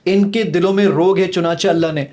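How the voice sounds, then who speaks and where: Man, middle-aged, high-pitched, eager demo-driven podcast guest, counts off seconds as he shows features. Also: steady tone, darkish tone. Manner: eager, rapid-fire demonstrating, counts seconds aloud. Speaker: app developer guest. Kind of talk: podcast interview with live app demo.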